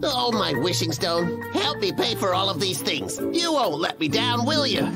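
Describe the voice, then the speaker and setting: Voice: mid-range voice, very animated, slow pace. An actor playing a greedy, poor cartoon lumberjack, histrionic, whining and gloating by turns. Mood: hopeful, eager. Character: excitable, greedy, poor male lumberjack named Vic. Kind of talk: exaggerated cartoon dub acting. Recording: loud cartoon music behind.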